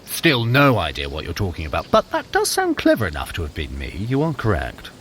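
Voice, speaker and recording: A man's voice: fairly low pitch, wildly swooping pitch, fairly quick, a bit bright, slight background noise. An actor playing a sly, haughty trickster god in an audio drama, theatrical and sarcastic, drawling his words. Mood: evasive.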